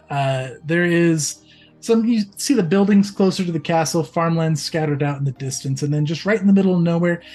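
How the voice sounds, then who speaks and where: A man's voice: fairly high pitch, darkish tone. Man narrating a tabletop game. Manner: loose, descriptive, many fillers. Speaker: game master.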